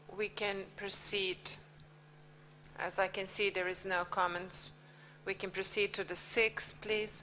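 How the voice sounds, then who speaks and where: Using a non-native accent, a woman at medium pitch speaks in a monotone, flat intonation with a bright, sharp tone, a fairly slow pace and long, frequent pauses. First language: not English. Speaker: rapporteur. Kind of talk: formal meeting; reading aloud.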